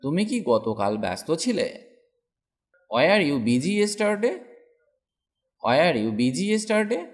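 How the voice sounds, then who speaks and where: Slow, lively male English drill teacher. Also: on the high side. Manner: reads each English sentence slowly twice after the Bengali one. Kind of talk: slow drilled sentence practice.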